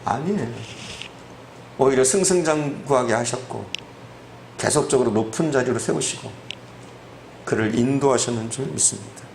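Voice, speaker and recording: A man's voice: mid-range voice, normal speed, vocal fry, pauses often, a little mellow, roomy sound, slight background noise. A man preaching a sermon as pastor, who acts out prayers and quotes and asks rising, emphatic questions.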